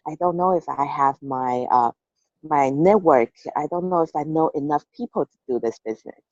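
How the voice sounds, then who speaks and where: A woman's voice: deep voice, moderate pace, a little mellow, no echo. A woman from Taiwan being interviewed on a team call, telling her story candidly with hesitant restarts and frequent "okay" fillers. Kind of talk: casual interview. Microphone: call recording. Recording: dull lo-fi call audio.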